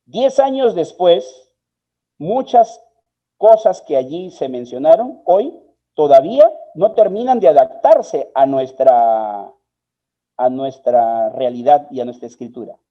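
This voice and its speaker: A man's voice: medium pitch, muffled recording. A man from Peru teaching a live online workshop on spelling rules, patiently explaining and answering viewers' questions by name. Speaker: spelling and writing instructor.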